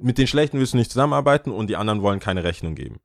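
A man in casual chat, animated, acting out quoted lines and often trailing off and restarting. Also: fairly low pitch, very fast, gravelly, no echo, clean studio sound.

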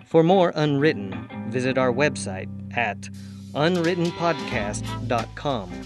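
A man's voice: medium pitch, animated, slow pace, over music. A man reading scripted narration and announcements as the narrator of an audio drama.

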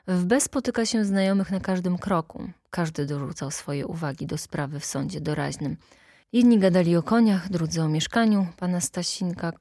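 A woman reading a literary story in measured, scripted narration. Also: lowish voice, dark tone, no echo, studio quality. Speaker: audiobook reader.

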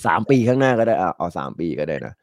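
A man's voice: low-pitched, very animated, rapid-fire, no echo, clean studio sound. A middle-aged man with a stuffy nose from a cold, chatting casually and rambling on a talk show. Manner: rambling, chatty, laughs often. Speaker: market analyst guest.

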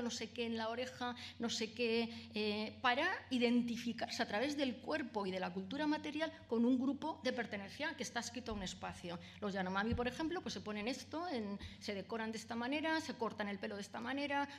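A woman with a Peninsular Spanish accent giving an academic lecture, explaining step by step and checking in with frequent tag questions and fillers. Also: fairly high pitch. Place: lecture room with audience.

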